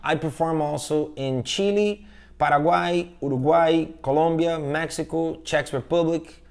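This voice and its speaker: A young man from Brazil with a Brazilian Portuguese accent, speaking English as a second language in an earnest, halting way, with frequent fillers and restarts. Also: on the high side, fairly even intonation, gravelly. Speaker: channel host, tribute performer. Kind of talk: scripted direct-to-camera introduction. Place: indoor room with shelves of collectible figures.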